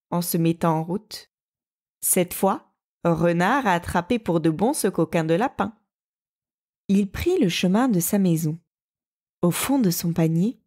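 Expressive woman reading a children's story. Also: medium pitch. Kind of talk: storybook read-aloud narration.

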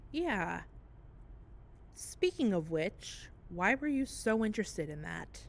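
A woman's voice: medium pitch, big pitch swings, slow pace, vocal fry, exaggerated voice. A woman playing a wry, easygoing driver, chatting casually in an audio drama. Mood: wry, curious. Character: wry, easygoing female driver teasing her companion.

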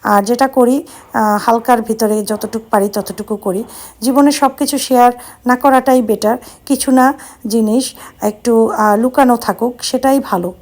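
A middle-aged woman from Bangladesh narrating her vlog in a soft, subdued, reflective way, sounding sad and tired. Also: fairly high pitch, steady tone, moderate pace. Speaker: vlogger.

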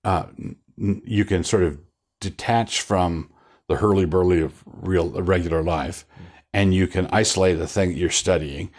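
An older man, a pastor, talking in a relaxed studio interview, wandering through his points with restarts and a wry chuckle, on a lapel mic. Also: low voice, normal speed. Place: studio set with bookshelves.

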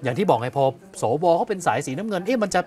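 A man co-hosting an evening news show, explaining political events in an animated conversational way, asking rhetorical questions and acting out what others said. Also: high-pitched, quick pace. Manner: animated, asks rhetorical questions, acts out quotes. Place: television studio.

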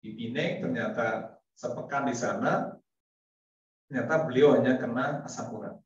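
A man's voice: medium pitch, moderate pace. A man giving a casual sermon to a congregation, chatty, laughing often and acting out little dialogues. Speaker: preacher. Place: mosque hall. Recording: echoey hall from far off, dull sound.

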